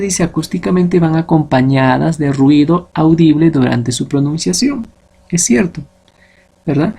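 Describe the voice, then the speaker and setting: Guy teaching a class, gravelly husky voice, keeps checking in with students. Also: fairly high pitch, a little mellow. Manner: explanatory, addresses students directly, many tag questions. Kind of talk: recorded phonetics lesson.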